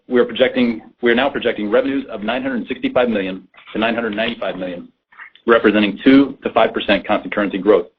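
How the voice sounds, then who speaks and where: Fast-talking man on a tinny phone line. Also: on the low side, breathy edge. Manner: formal, reading prepared figures. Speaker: company finance executive. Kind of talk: scripted earnings call presentation.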